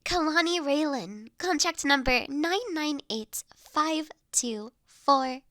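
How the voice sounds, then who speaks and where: A woman playing a refined, poised young noblewoman in an audio roleplay, speaking formally and kindly with authority and soft trailing phrase endings. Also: high voice, lively intonation, slow pace, dry recording, studio quality, full character voice. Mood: polite, businesslike. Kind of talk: scripted audio roleplay addressed to listener.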